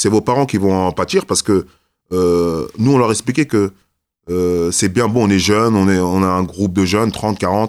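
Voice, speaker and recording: The man's voice is fairly low in pitch, with ordinary pitch variation. The recording is very clean, the background silent. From France, Paris suburbs (Val-de-Marne). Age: 40s. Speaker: community association coordinator. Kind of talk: interview.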